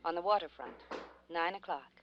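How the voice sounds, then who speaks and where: A woman's voice: fairly low pitch, brisk, lightly acted. An actress playing a mysterious, insistent young woman in a vintage radio drama, speaking in cool, terse phrases. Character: mysterious young woman arranging a secret night meeting. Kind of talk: 1950s radio drama acting. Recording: muffled, hissy, quiet vintage radio recording.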